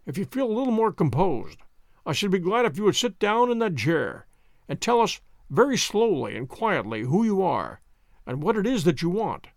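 A calm, ironic detective, as a male storyteller puts him on, speaking in precise and measured phrases with a lively lilt. His tone stays dry and unhurried. The sound is close and dry. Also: high voice, creaky, dry recording, exaggerated voice. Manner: measured, dryly amused, precise.

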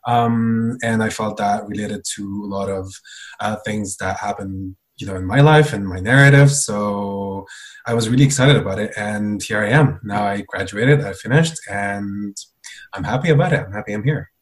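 A man's voice: lowish voice, moderate pace. A man in his twenties from Lebanon, a podcast guest on a video call, earnest and friendly with plenty of ums. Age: 20s. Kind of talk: interview answers.

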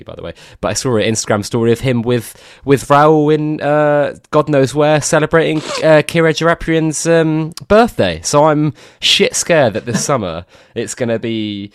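A young man hosting a casual podcast chat, animated, laughing often and rambling in quick runs. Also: medium pitch, no room sound, studio quality. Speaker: podcast host.

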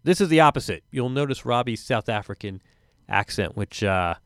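A man's voice: mid-range voice, lively intonation, moderate pace, clear, resonant tone, dry recording, clean studio sound. A man in his forties hosting a tennis podcast, chatty and wry, sounding a little stuffy from a cold. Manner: chatty, self-interrupting, wry asides. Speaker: podcast host.

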